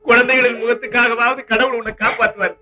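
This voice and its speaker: A man's voice: very high-pitched, flat delivery, quick pace. An actor playing a husband who anxiously soothes his frightened wife in a 1960s film melodrama. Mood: soothing. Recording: dull old film soundtrack.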